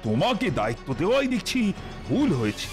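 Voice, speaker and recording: A man's voice: high-pitched, fast talker. An actor playing a jovial, easily swayed king in a cartoon, repeating his words. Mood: dismayed. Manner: repeats words, lively swings from praise to dismay. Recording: cartoon voice with music behind.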